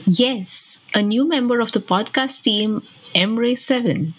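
A woman's voice: a little high, slow pace, slightly rough, rough recording. A woman from India co-hosting a podcast, talking in an engaged, conversational way. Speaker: podcast co-host.

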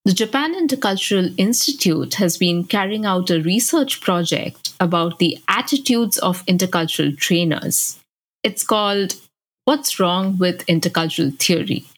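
A woman's voice: lowish voice, expressive, moderate pace, breathy edge. A woman from India co-hosting a podcast, talking in an engaged, conversational way. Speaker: podcast co-host.

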